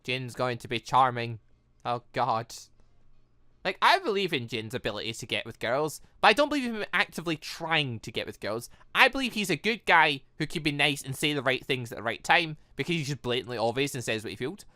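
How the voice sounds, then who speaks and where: A woman hosting a gaming video, giving casual, excitable playthrough commentary with halting exclamations. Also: very deep voice, no echo, studio quality.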